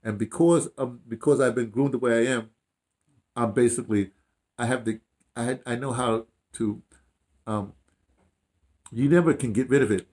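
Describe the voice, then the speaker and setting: An older American man talks off the cuff in a medium-pitched voice. He tells his story in a loose, rambling way, restarting phrases and repeating words for emphasis. The style is casual and reflective, like an interview at home. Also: fairly even intonation, moderate pace, pauses often, a little mellow. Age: 60s or older. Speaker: audio dramatist being interviewed. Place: small room at home, indoors.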